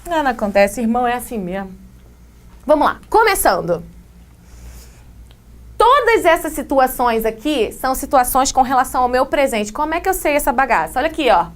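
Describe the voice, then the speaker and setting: A woman with a Brazilian Portuguese accent teaching English grammar in a casual, slangy video lesson, reading example sentences slowly. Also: high voice, sing-song. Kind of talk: video lesson for exam prep.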